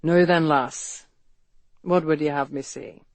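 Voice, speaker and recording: A man's voice: on the high side, steady tone, normal speed, no room sound, lightly acted. An actor playing a bold, protective Victorian London man who talks matter-of-factly and turns coaxing and flirtatious. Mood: teasing.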